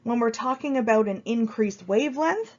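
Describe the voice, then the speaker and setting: A woman with a head cold talks through a recorded lecture, her voice a little sniffly. She explains in a relaxed, informal way, filling pauses with ums and restarting phrases. The audio is slightly dull and lo-fi, as if from a computer microphone. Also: fairly high pitch. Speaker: university lecturer.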